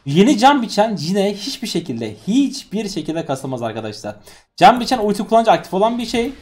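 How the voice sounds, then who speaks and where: Young man, gaming commentary, high voice, wildly swinging pitch, exasperated ranting, keyboard typing behind. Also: sing-song, brisk, soft background music. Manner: exasperated ranting, swings from loud yelling to low grumbling. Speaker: gaming streamer. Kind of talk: live gameplay commentary.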